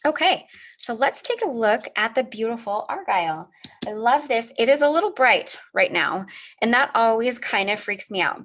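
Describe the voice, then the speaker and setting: A woman's voice: mid-range voice, fairly bright tone, a little hiss or hum. A middle-aged woman hosts a live craft demo over a video call, talking viewers through each step in a friendly, chatty way. She is a little sniffly and often stops to answer comments from the chat. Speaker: craft livestream host.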